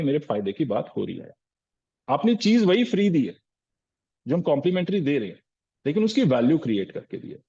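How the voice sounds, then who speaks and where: Male sales trainer at a live session: quizzes his listeners and answers himself, calls them "sir", low-fidelity recording. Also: warm tone, muffled recording. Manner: asks rhetorical questions and answers them, often says "sir".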